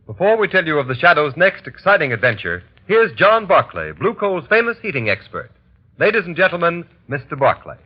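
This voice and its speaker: Lively 1930s radio announcer, a man. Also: on the high side, fairly quick, husky. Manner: upbeat, emphatic. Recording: muffled old radio recording with music.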